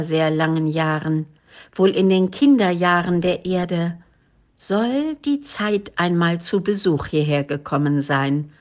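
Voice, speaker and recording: A woman reading the part of a kindly, humorous, ageless male spirit guide in an audiobook, in a gentle, teasing, patient way. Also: lowish voice, natural voice.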